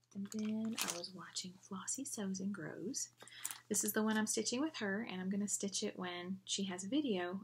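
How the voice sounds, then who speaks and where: A woman with a medium pitch is soft-spoken and somewhat breathy. She talks at a moderate pace with ordinary pitch variation. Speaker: cross-stitch vlogger. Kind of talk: casual chat. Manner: halting.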